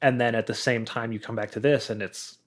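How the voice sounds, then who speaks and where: A man's voice: medium pitch, steady tone, brisk. Male podcast guest, conversational, everyday mid-range voice, informal music talk. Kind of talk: casual music discussion.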